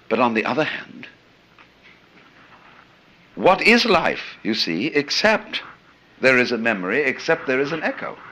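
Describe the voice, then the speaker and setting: Musing older man lecturing, lively pitch. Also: low-quality recording. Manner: musing, anecdotal, with frequent "you see" and "uh". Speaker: lecturer on philosophy. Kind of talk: reflective spoken lecture.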